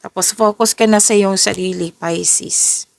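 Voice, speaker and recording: This is a casual tarot reading in English and Tagalog by a tired woman from the Philippines. Her gravelly, medium-pitched voice is steady in tone but a little slow and slightly off. She self-corrects often, restarting and rephrasing, and the recording has no echo.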